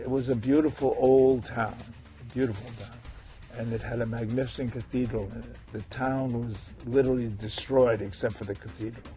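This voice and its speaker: With music in the background, a man in a Southern New England accent talks at a fairly quick pace and medium pitch, his loudness swinging widely. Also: fairly even intonation. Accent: Southern New England American. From New London, Connecticut. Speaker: World War II veteran, former rifleman. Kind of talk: interview answer.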